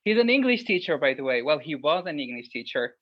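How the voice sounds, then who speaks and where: A man's voice: fairly high pitch, big pitch swings, a little fast. A man chatting casually and helping with introductions in an online lesson. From Algeria. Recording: dull, lo-fi online call audio.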